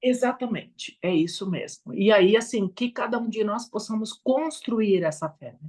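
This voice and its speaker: At a fairly slow pace with hardly any pauses, the somewhat breathy voice shows big swings in loudness and ordinary pitch variation. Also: woman, fairly high pitch for a woman. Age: 60s. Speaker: spiritist study group leader. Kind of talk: casual religious discussion; guided meditation. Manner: halting, hesitant.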